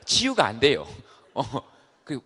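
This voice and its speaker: Lively husky man in an echoing hall. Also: mid-range voice, measured pace. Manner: animated storyteller who shouts out the quoted voices he acts. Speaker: stage talk performer. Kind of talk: comedic stage talk to a live audience. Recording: long hall reverb.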